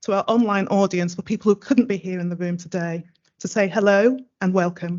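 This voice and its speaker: In a northern English accent, a woman speaks at a medium pitch. Her pace is fairly quick. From northern England, Wakefield. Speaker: panel chair. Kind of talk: event welcome speech. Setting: stage with live and online audience.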